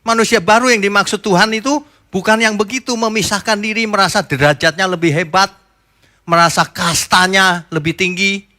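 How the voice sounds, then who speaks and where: A middle-aged man preaching a sermon as pastor, animated and joking, acting out the people he quotes. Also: high voice, moderate pace.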